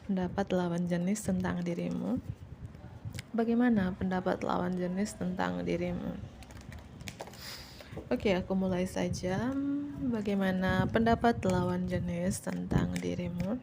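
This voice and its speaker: Woman, tarot reader, casual chatty reading, gravelly voice, faint background hiss. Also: fairly low pitch, steady tone, unhurried, pauses often. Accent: Indonesian. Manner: chatty, repetitive, slips into soft whispers; playful, teasing jokes.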